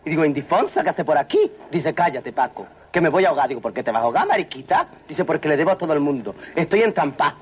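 A man's voice: fairly high pitch, expressive, fast, hardly any pauses, slight background noise, close to an everyday voice. An actor playing a flamboyant male cabaret entertainer telling a camp joke on stage in a 1970s film. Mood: camp joking. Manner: camp, theatrical, laughing storyteller.

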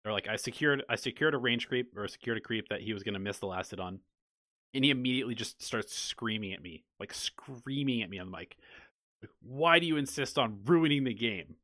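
A man in casual chat, telling a story in an animated way and acting out the quotes. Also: medium pitch, brisk, no echo, studio quality.

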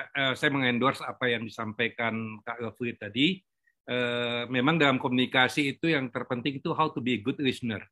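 A man takes his turn in a panel discussion. He speaks in a lecturing tone and mixes in English terms. His voice is bright and forceful. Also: medium pitch. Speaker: panel participant. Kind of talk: discussion talk.

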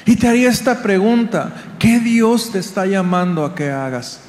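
A high-voiced man preaches at an unhurried pace, dramatic and given to acting out the voices he quotes. His words ring through a reverberant hall. A faint noise hums underneath. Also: animated, a little mellow. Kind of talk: sermon.

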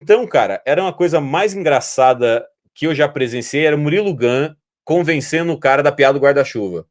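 A man's voice: fairly high pitch, a little fast. A man from Brazil chatting casually, telling long, rambling stories and imitating voices. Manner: rambling animated storytelling, imitating other people's voices. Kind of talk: casual chat.

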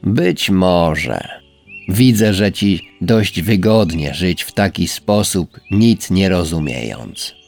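A man's voice: deep voice, lively intonation, creaky, a little mellow, exaggerated voice. Man doing a haughty, aloof snail. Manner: slow, indifferent, lecturing. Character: proud aloof male snail, cold and self-satisfied. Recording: faint background music.

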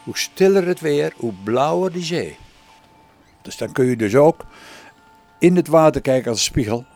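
A man in a documentary interview, looking back on long solo voyages at sea. He talks slowly and thoughtfully, pausing and searching for words. His voice sits at an ordinary middle pitch. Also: animated, a little mellow, faint music behind. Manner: slow, thoughtful, with pauses and hesitations. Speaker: solo sailor.

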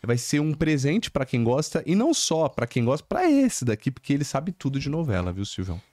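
A man co-hosting a live podcast, excitable and joking, full of slang and quick asides. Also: mid-range voice, dry recording, clean studio sound. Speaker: podcast co-host.

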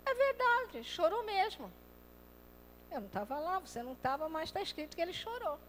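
A woman preaching a lively sermon. She acts out quoted voices and swings between loud and soft. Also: very high voice, moderate pace, big-room sound, slight background noise.

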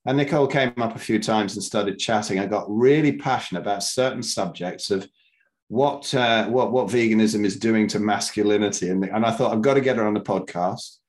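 A man's voice: lowish voice, a little fast. A man hosting a podcast interview, talking casually and rambling, with frequent repeated words and restarts. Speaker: podcast host.

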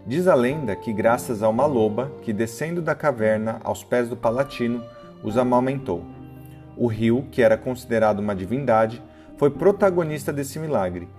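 A man narrates a legend from a script in a mid-pitched, steady voice. His delivery is even and measured, in the manner of a storyteller. Soft plucked guitar plays faintly behind him. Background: soft guitar music.

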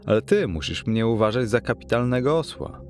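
A man voicing a self-mocking gentleman in an audiobook, in a plain, slightly lowered voice. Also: expressive, a little fast, soft background music, natural voice. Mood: rueful.

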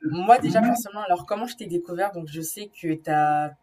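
A woman's voice: on the low side, brisk, over a noisy crowd. A woman hosting a casual live online interview, recorded on a live stream.

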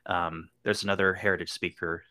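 Deep-voiced man hosting a podcast. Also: a little fast, no echo. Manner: relaxed, asks probing questions. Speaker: podcast host. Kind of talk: casual interview.

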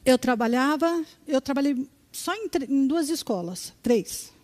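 An older woman from Brazil, a retired schoolteacher, giving a religious testimony as an animated story full of repeated words and quoted dialogue. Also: sits high, a little slow.

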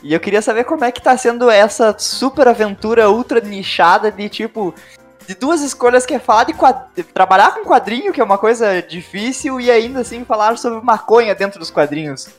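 A woman's voice: a little high, animated, a little fast, soft background music. A woman with a Brazilian accent, interviewing in an informal, slangy, chatty way. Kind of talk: casual chat interview.

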